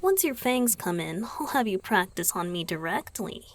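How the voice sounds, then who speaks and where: A woman voicing a gentle, teasing male vampire boyfriend in an intimate ASMR roleplay, speaking softly and patiently, often dropping toward a whisper, close to the microphone. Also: medium pitch, very animated, normal speed, no echo, natural voice. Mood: reassuring, affectionate. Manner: soft, often whispered, patient explaining with small chuckles. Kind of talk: ASMR roleplay, intimate one-sided dialogue to the listener. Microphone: close, dry microphone.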